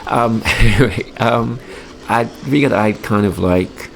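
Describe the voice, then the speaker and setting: Gravelly, deep-voiced English man. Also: slow, slight background noise. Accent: English Midlands, softened by years abroad. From England, Derby. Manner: rambling, many ums and restarts. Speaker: RC hobby YouTuber. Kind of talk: casual voice-over commentary.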